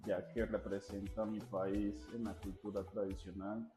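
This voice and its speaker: Venezuelan man, 20s, low mellow voice, echoey room. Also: level tone, moderate pace, faint music behind. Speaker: cook. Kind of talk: documentary interview.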